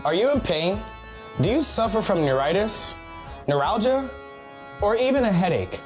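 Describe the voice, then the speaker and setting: A man as a slick quack doctor pitchman. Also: sing-song, normal speed, faint music behind. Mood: salesy. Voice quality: salesy, pitchman. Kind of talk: parody commercial.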